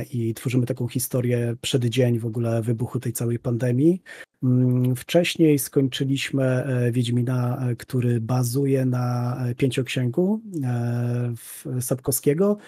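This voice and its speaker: Husky, mellow-voiced man. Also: mid-range voice, no echo, clean studio sound. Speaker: guest game master. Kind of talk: casual podcast chat. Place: indoor room, video call.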